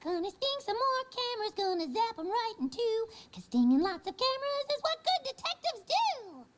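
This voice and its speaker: Woman voicing a squeaky, excitable little cartoon bee boy. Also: normal speed, very noisy. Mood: excited, eager. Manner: excitable, childlike. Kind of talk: cartoon audio drama acting. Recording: loud music behind the voice. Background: music.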